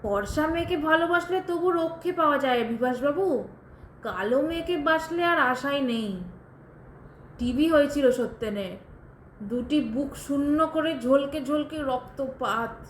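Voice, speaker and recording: A woman's voice: sits high, animated, unhurried. An actress playing a bitter, sardonic widow who tells her tragic story in a pointed, dramatic way in an audio drama. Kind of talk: Bengali audio drama acting. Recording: roomy echo, faint background noise.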